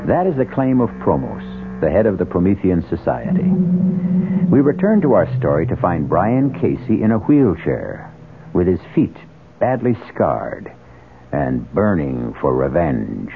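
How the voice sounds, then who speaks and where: An actor as the ominous storytelling host of a mystery radio drama, speaking in a portentous, theatrical way. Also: male voice, low voice, very animated, measured pace, gravelly, phone-quality sound, background noise, heavily acted. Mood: ominous suspense. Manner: portentous, theatrical, rhetorical questions. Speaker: host and narrator. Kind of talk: suspenseful scripted radio drama narration. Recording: band-limited 1970s radio, music behind.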